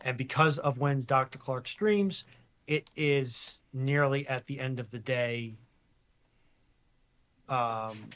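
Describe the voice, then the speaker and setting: A man from the United States speaks as a live stream co-host at an ordinary middle pitch. He explains technical points casually, with halting, deliberate phrasing. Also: a bit bright.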